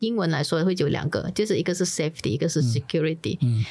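In a Malaysian accent, a woman speaks at a fairly low pitch with lively intonation. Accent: Malaysian Chinese Mandarin. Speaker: humanitarian logistics worker. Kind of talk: interview. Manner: hesitant, many filler sounds.

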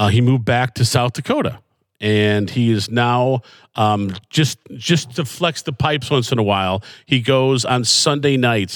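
An ordinary speaking voice from a man with an American accent, medium in pitch, with ordinary pitch variation and very even loudness, at a fairly slow pace, in a very clean recording with a silent background. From Chicago suburbs (Lombard, Illinois). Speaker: comedian. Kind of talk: casual chat. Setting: studio.

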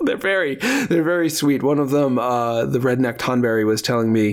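A man at medium pitch over noticeable background noise. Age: 40s. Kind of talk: casual chat. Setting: voice call.

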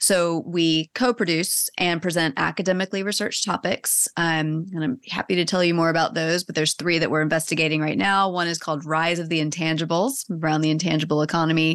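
A woman with a plain, everyday voice, fairly low in pitch, at a fairly quick pace with hardly any pauses and fairly even intonation. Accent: American. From United States. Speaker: media company executive. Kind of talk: panel discussion.

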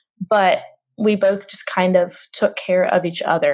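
At a moderate pace, a woman talks with a North Carolina accent. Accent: Southern US (North Carolina). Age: 20s. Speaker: grief coach and podcaster. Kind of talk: interview, personal testimony. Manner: mature-sounding for her age.

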